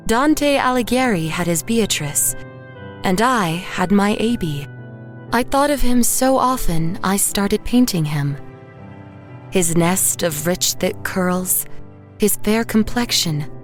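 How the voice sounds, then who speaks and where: A woman playing an anxious, haunted painter who tells her own story in measured, literary horror narration. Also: medium pitch, expressive. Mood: brooding, haunted. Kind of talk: scripted first-person horror audio drama narration. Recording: music underneath the voice. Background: background music.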